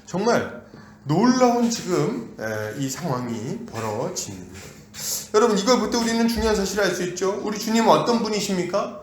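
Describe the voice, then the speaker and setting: A male pastor preaching a sermon, acting out the disciples' and Jesus' voices in an animated way. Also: high-pitched, fairly quick, reverberant, slight background noise. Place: church sanctuary.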